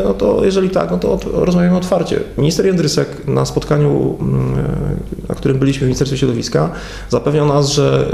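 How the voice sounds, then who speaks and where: A man in his forties, a county head, answering in a local TV studio interview, measured and full of hesitations. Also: mid-range voice, vocal fry, warm tone. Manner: measured, hesitant with many fillers. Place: TV studio at a table. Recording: echoey studio room.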